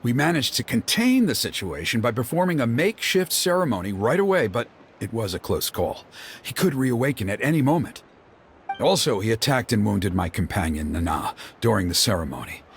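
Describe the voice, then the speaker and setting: An actor playing an earnest, exasperated tribal man in a video game, with an expressive, grumbling manner. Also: mid-range voice, fairly quick, vocal fry, a little hiss or hum. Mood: grave. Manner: expressive, grumbling, mimics others mockingly. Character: earnest, exasperated tribal elder man organizing a fire ceremony. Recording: loud background music over voice. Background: music.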